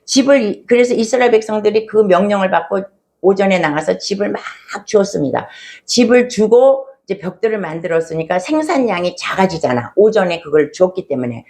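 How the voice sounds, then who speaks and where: Gravelly-voiced woman preaching a sermon. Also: medium pitch, lively intonation, a little fast, dark tone. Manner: storytelling, acts out quoted voices, rising emotion. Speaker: pastor.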